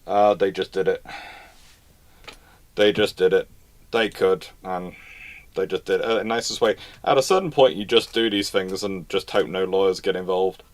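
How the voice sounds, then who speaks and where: A man's voice: sits low, normal speed. A man hosting a live question and answer session, talking informally and knowledgeably, often restarting and repeating his phrases. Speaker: host answering audience questions. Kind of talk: live Q&A, casual history talk.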